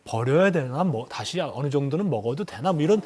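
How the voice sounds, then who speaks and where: A man's voice: fairly high pitch, lively intonation, fairly quick, darkish tone, husky. A man speaking as a guest on a current affairs panel, explaining his views in a conversational way. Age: 50s or younger. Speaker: panel guest, former lawmaker. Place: broadcast studio.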